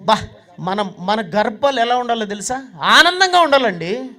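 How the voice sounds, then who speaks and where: A man's voice: very high voice, expressive, normal speed, sharp tone. A man with a Telugu accent preaching an emotional sermon, telling stories with acted-out voices and repeated rhetorical questions. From Andhra Pradesh, India. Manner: dramatic storytelling, acting out quoted voices, repeated rhetorical questions.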